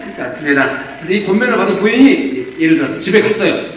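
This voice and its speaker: A man's voice: high voice, very animated, fast talker. A middle-aged man preaching a sermon as pastor, talking conversationally and acting out quoted dialogue with humor. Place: church sanctuary. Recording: echoey church hall from a distant mic, faint room noise.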